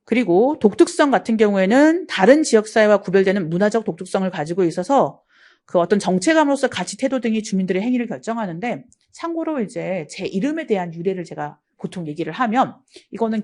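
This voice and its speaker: A middle-aged woman teaching an exam-prep lecture, talking in a warm, chatty way and bringing in stories from her own life. Her voice sits at an ordinary pitch, and her delivery stays lively and conversational. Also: fast. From Gangwon Province, South Korea. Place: lecture studio.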